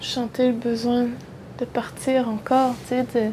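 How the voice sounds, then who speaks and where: Over noticeable background noise, a woman with a Quebec accent speaks in a high pitch with monotone, flat intonation. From Quebec, Côte-Nord (Innu community). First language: Innu (speaking French). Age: 20s. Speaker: art student. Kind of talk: documentary interview. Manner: reflective, halting.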